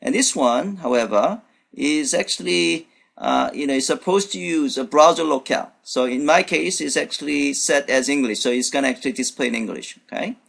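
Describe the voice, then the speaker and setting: Gravelly man walking through a coding demo. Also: fairly high pitch, moderate pace, fairly bright tone. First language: Korean. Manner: thinks aloud with many fillers and restarts. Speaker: programming instructor. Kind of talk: unscripted screencast walkthrough. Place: at his computer, voice-over on screen recording.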